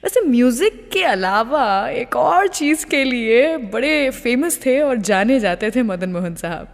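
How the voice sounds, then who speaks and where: A woman radio host telling anecdotes to listeners in a lively way, posing questions and then answering them. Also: fairly high pitch, takes it slowly, creaky, big-room sound, soft background music. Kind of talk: radio presenting, anecdotal storytelling.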